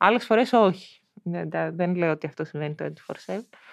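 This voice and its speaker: A woman speaks at a moderate pace in a dry, close sound with no echo, against a quiet background. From Germany, then Karditsa, Greece. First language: bilingual Greek and German (speaking Greek). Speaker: poet. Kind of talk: interview.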